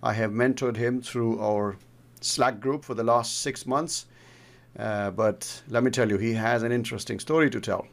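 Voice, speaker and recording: A man hosting a trading podcast and interviewing a guest in a measured, friendly way. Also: mid-range voice, creaky. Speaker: podcast host and trading mentor.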